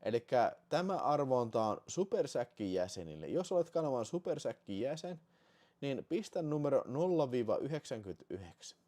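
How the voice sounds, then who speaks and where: A man hosting a casual livestream, swearing often and swinging between excited outbursts and low mutters. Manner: swears a lot, shifts from excited shouting to muttering. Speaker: channel host.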